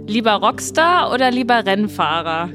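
A woman's voice: mid-range voice, sing-song, normal speed, over music. Upbeat woman hosting a podcast. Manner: upbeat, prompting questions. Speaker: podcast host. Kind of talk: trade fair podcast interview.

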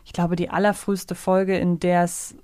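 A woman's voice: lowish voice, little pitch movement, normal speed, a little mellow, no echo. A woman co-hosting a podcast, casually but earnestly arguing her points and often rephrasing herself as she goes. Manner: earnest, argues her point, self-correcting. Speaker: podcast co-host. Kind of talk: casual analytical review chat.

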